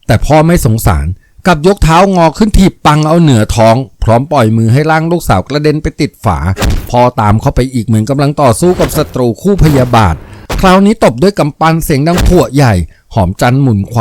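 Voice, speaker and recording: A man narrating a novel aloud in a steady, vivid storytelling manner. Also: a little high, fairly quick, a little hiss or hum. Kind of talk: dramatic novel reading.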